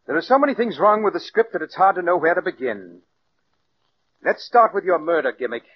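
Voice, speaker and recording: An actor playing a domineering radio star, curt and dismissive, in 1940s radio style. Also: male voice, high-pitched, lively intonation, a little fast, husky. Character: domineering middle-aged male radio star. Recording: dull old radio broadcast, faint hiss.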